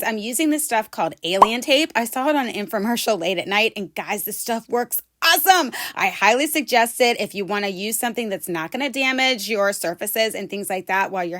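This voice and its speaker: A woman in her thirties narrating a home decorating vlog, upbeat and gushing, her voice going hoarse. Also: medium pitch, fairly bright tone, no echo, studio quality. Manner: enthusiastic, gushing, says "guys" often. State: losing her voice. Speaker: DIY home decor vlogger. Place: indoor room with curtains and fairy lights.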